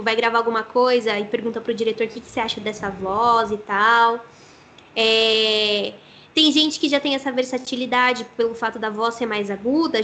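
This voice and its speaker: Explanatory Brazilian voice actress. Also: female voice, fairly high pitch, a bit bright, slight background noise. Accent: Brazilian Portuguese. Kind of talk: interview.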